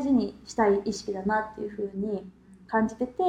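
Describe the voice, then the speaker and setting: Over noticeable background noise, a woman with a medium pitch talks at a fairly quick pace. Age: 30s. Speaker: podcast host. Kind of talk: casual chat.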